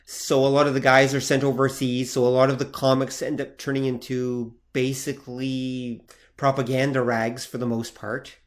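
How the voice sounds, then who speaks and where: A man's voice: mid-range voice, little pitch movement, normal speed. Man explaining things on a podcast. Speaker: podcast co-host. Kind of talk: casual chat.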